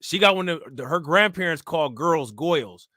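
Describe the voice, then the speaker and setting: Guy streamer reacting to news, bright voice, slangy and chill, dry sound. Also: on the high side, brisk, no room sound. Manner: laid-back slangy, laughs often. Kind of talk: casual commentary.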